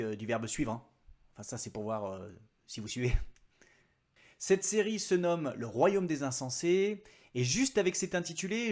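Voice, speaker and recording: A man hosting his own book review vlog, chatty and joking at his own expense. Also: fairly high pitch. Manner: chatty, self-mocking asides. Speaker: book vlogger.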